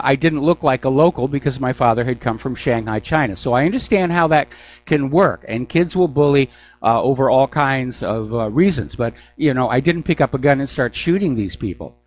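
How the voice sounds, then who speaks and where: A man hosting a call-in radio talk show, moving briskly between callers with frequent filler sounds. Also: medium pitch. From New Hampshire.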